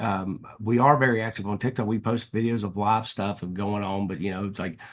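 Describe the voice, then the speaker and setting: Against a quiet background, a man with a strong Southern US accent talks fairly quickly at a fairly low pitch, his intonation fairly even. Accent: thick Southern US. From US South, mountains of North Carolina. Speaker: rock band singer. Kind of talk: podcast interview. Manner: halting, many restarts.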